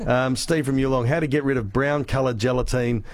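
An Australian man presenting talkback radio in a studio, with a gravelly voice and a dry, teasing manner. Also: mid-range voice, steady tone, fairly quick, no echo. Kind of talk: casual talkback radio chat.

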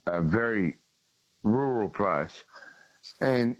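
Slow broad Tasmanian man on a phone line. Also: on the low side, lively intonation. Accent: broad Tasmanian Australian. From Tasmania, Australia. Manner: slow, halting, with many fillers. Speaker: caller. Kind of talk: casual call-in chat.

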